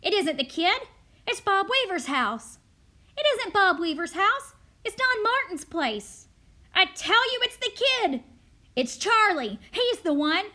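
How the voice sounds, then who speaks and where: Woman voicing loud, high-pitched angry mob accusers. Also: big pitch swings, measured pace, heavily acted. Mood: hysterical shouting. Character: angry, suspicious suburban mob members shouting accusations. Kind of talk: dramatic script reading.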